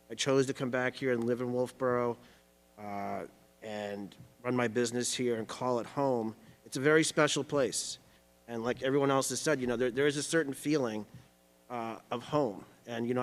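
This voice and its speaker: Conversational man speaking in an echoey hall. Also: mid-range voice. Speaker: candidate and former board member. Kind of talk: forum closing statement. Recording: echoey hall with long reverb.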